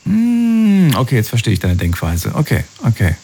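A man hosting a call-in radio show, giving callers empathetic advice and coaxing them with questions that swing up in pitch. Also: huge pitch swings, moderate pace, dark tone, breathy edge.

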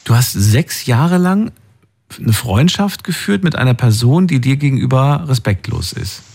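A man's voice: mid-range voice, big pitch swings, measured pace, gravelly, darkish tone, breathy edge. A man hosting a call-in talk show, questioning a caller closely and pushing back on his answers. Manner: probing, questions each answer. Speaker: radio call-in host.

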